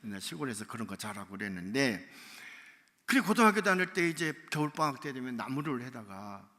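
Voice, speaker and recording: A man preaching a revival sermon in a church, telling a story and acting out its dialogue, sometimes shouting and crying out the lines. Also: medium pitch, very animated, a little fast. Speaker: pastor. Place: church sanctuary. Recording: church hall reverb.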